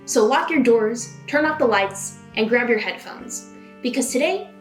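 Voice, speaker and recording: A woman's voice: fairly high pitch, lively intonation, unhurried. A woman hosting and narrating a scripted video essay in a conversational way, leaning into dramatic emphasis. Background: background music.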